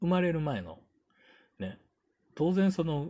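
Speaking at a moderate pace with a Kansai accent, a man has a somewhat breathy voice with a dark, mellow tone. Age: 40s. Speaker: solo podcaster. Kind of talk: casual solo talk. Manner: cheerful, frequent laughter; many filler words.

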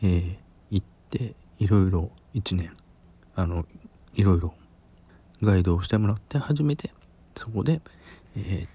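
The voice has a dark, mellow tone and lively intonation, somewhat breathy, at a moderate pace, in a dry, close sound with no echo. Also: man. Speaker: podcaster. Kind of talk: solo storytelling monologue. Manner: many filler hesitations.

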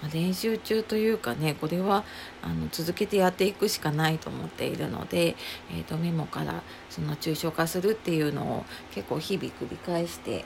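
With noticeable background noise behind her, a woman speaks at a moderate pace in a fairly low pitch with ordinary pitch variation. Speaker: podcast host and welfare worker. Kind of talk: solo talk show monologue. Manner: halting with many fillers.

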